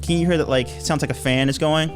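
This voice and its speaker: A man's voice: a little high, steady tone, fast talker, over music. A man co-hosting a podcast in casual chat, laughing often and reading tweets aloud with playful emphasis. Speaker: podcast co-host.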